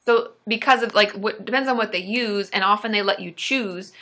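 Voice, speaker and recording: A woman's voice: medium pitch, normal speed, sharp tone, slight background noise. A young adult woman therapist hosting a casual live-stream Q&A, chatty and reassuring, with many fillers and restarts.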